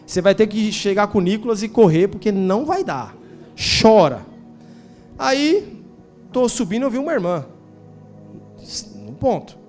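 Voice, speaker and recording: A man's voice: high-pitched, very animated, moderate pace, darkish tone, soft background music. A man in his forties with a Brazilian Portuguese accent, preaching a sermon in a conversational, storytelling way, tossing in rhetorical questions and slangy asides. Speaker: pastor. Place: church.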